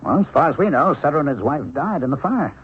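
An actor in a 1970s radio drama playing a helpful, sympathetic police lieutenant with an informal, slightly hesitant manner. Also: male voice, fairly high pitch, big pitch swings, quick pace. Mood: puzzled. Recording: narrow-band old radio recording, faint noise.

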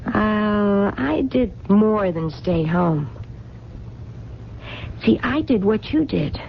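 A woman's voice: medium pitch, expressive, very slow, gravelly, heavily acted. Wistful, stubborn American woman, swooping intonation. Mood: wistful, earnest. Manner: hesitant, earnest, colloquial grammar. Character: wistful, stubborn lonely romantic woman, plain-spoken and defiant. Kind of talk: 1970s radio drama acting. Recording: dull, noisy 1970s radio broadcast recording.

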